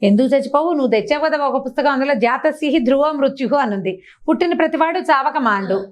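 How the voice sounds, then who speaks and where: A woman putting on a sly young girl from an old folk tale, her voice climbing high and pleading as she coaxes. She talks fast, in a bright singsong. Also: expressive, close to an everyday voice. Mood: coaxing. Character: clever young girl raised by a demon, coaxing and wily.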